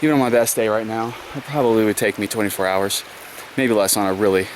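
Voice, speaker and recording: A man's voice: fairly low pitch, fairly even intonation, fast talker. A man talks casually to camera while running and climbing on an outdoor trail, somewhat winded, with sighing breaths between phrases. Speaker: trail runner vlogging his run. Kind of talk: casual vlog commentary to camera. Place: outdoors on a rocky wooded trail. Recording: clear outdoor background noise.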